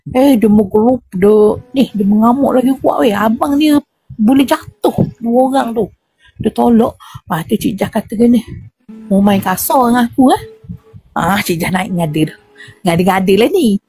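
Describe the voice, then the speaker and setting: Woman storyteller, Terengganu Malay accent, slightly high but mellow voice, animated, acts out sounds. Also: moderate pace, slightly rough, no echo. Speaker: guest recounting a spirit healing. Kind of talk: casual storytelling of a true horror experience.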